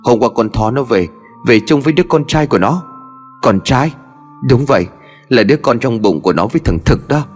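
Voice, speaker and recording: A man's voice: animated, a little fast, close to an everyday voice. A man voicing a frightened older village wife who speaks in a raised, anxious and urgent way, in a horror story with long reverb and faint music. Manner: higher, anxious, stammering, urgent.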